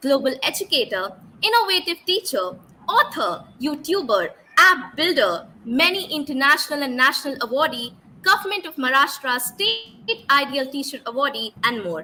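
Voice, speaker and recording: Over noticeable background noise, a woman uses a raised, projected voice, high in pitch with very wide pitch swings, at a moderate pace. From India. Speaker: event moderator. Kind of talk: formal event moderation, scripted opening speech. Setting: online live event. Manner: formal.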